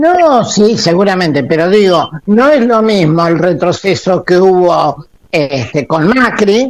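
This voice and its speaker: A man talks at a very slow pace in a high pitch. His intonation is lively. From Argentina, Buenos Aires province and Misiones. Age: 60s. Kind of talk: interview.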